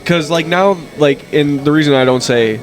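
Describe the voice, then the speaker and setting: A man with a raspy voice, hoarse from a head cold, chatting bluntly as a guest and swearing freely. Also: fairly high pitch, moderate pace. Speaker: wrestler guest. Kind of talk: casual interview chat. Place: busy tattoo expo floor. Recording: loud crowd noise around. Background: loud crowd chatter.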